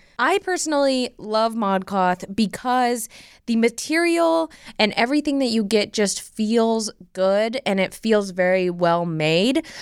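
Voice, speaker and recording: With an American accent, a woman speaks in a plain, everyday voice, fairly high in pitch and at a fairly slow pace, her loudness very even on a very clean recording with a silent background. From Texas. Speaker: podcast host. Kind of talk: ad read. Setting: studio.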